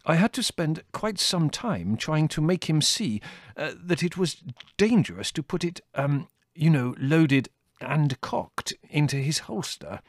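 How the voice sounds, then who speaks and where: A gentle, bookish older man who halts and hems through every sentence, as a man reading the story puts him on. His pitch rises and falls with lively inflection. Dry, close recording. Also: no room sound, full character voice. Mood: hesitant. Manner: halting, full of ums and uhs.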